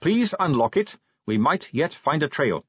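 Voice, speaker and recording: A man acts out a polite but commanding young male police captain for an audiobook. The voice is raised and earnest, with courteous authority and lively emphasis. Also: a little high, a little slow, husky, no room sound, dull audio, pitched above the performer's own voice, exaggerated voice. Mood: calm, firm.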